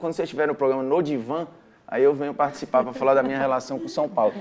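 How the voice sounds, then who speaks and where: A man speaks with a Ceará accent. His voice is fairly high-pitched, with ordinary pitch variation. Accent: Cearense (northeastern Brazilian). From Ceará, Brazil. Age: 30s. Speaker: sports journalist and commentator. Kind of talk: interview answer. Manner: irreverent, casual.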